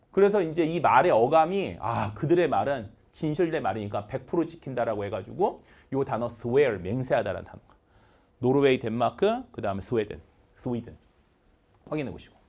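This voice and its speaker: A man teaching English vocabulary in an online lecture, animated and leading chanted word drills. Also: mid-range voice.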